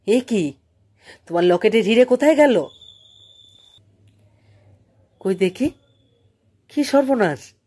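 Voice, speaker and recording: A woman's voice: a little high, expressive, unhurried, mellow, breathy edge, pitched above the performer's own voice. A woman storyteller voicing a married man talking to an old friend in a familiar, explanatory manner. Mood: startled.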